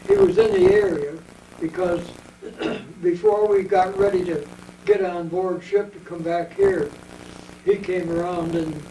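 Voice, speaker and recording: An American man in his eighties reminisces in a rambling, unhurried way, his voice high for a man and rough with fry. The sound is mellow and dark. He is recorded from a distance in an echoey room. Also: a little hiss or hum. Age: 80s. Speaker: veteran interviewee. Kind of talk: oral history interview.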